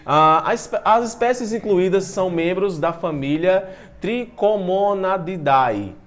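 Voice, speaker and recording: Higher-voiced man teaching. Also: animated, takes it slowly. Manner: stumbles and restarts over long technical words, self-deprecating; chatty, addresses students directly. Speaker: biology teacher presenting an online class. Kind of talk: informal lecture, reading slides with comments.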